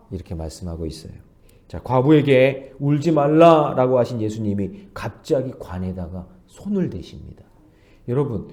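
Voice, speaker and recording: A man's voice: mid-range voice, dark tone. A man preaching at a dawn prayer service, emphatic and repeating his key phrases as he leads the congregation in reading aloud. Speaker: pastor.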